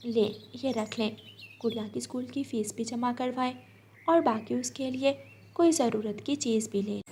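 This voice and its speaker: A woman's voice: on the high side, normal speed, mellow, slight background noise, close to an everyday voice. A woman voicing a generous, reassuring aunt bird in a cartoon story.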